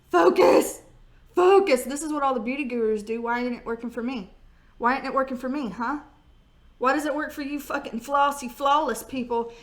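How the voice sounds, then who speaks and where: A woman's voice: sits high, fairly bright tone. A woman giving a casual tarot reading on video, sassy and joking, often laughing. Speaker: tarot reader. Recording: roomy echo.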